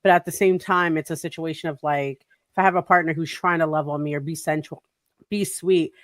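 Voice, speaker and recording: A woman co-hosting a talk show in casual, animated chat, laughing and putting on playful voices as she talks. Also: low-pitched, a little fast, dry recording, clean studio sound. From Puerto Rican heritage. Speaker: podcast co-host.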